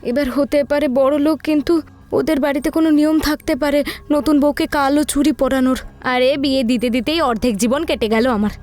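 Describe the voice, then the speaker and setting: একজন মহিলা অডিও ভূতের গল্পে কনের সন্দেহপ্রবণ জেঠিমার ভূমিকায় সোজাসাপটা, শাসনের সুরে কথা বলছেন।. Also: female voice, high-pitched, steady tone, fairly quick, darkish tone, lightly acted. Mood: indignant. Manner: blunt, scolding, bossy. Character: outspoken, suspicious elder aunt of a village bride. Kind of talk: audio horror story dialogue.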